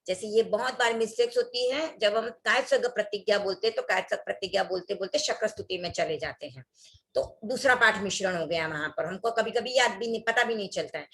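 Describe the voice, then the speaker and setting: A woman's voice: medium pitch, fast talker, fairly bright tone. A woman teaching an online religious workshop, explaining recitation mistakes and reciting scripture passages as examples.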